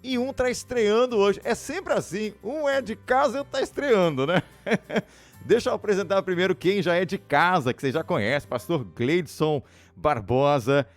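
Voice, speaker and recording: A man hosting a radio program in a studio, chatty and laughing often. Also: fairly high pitch. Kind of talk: casual radio studio chat.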